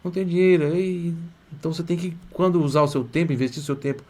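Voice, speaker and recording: A middle-aged Brazilian man with a Brazilian Portuguese accent runs a lively online Italian lesson. He talks in a chatty, encouraging way and slows right down to model phrases for his students to repeat. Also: a little high, slightly rough. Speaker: Italian teacher. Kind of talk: live online language lesson.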